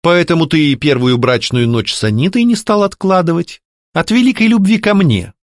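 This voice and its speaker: A man voicing a sharp-tongued young woman who mocks and scolds her ghost ex-husband. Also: on the high side, normal speed, no room sound, studio quality, pitched above the performer's own voice, lightly acted. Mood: mocking. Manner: mocking, scolding, ironic. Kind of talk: audiobook character voicing.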